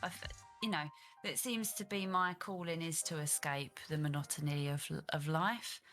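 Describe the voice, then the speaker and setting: A woman's voice: sits low, fairly even intonation, moderate pace, a bit bright, faint music behind. A woman from Kent with an Estuary English accent, chatting casually as a guest streamer in a chilled, self-deprecating way. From Kent, England. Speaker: guest, video game streamer. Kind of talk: casual chat interview.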